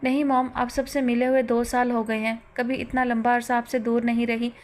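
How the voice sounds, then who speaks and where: A woman voicing a heartbroken young heroine in an audiobook, speaking softly and tearfully. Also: fairly high pitch, little pitch movement, moderate pace, close to an everyday voice.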